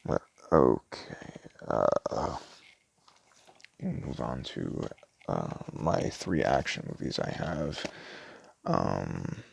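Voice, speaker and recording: Very deep, gravelly man. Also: big pitch swings, slight background noise. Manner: rambling, halting, trails off mid-sentence. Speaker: ASMR roleplay creator playing a video store clerk. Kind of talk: casual ASMR shop roleplay, recommending films and reading back covers.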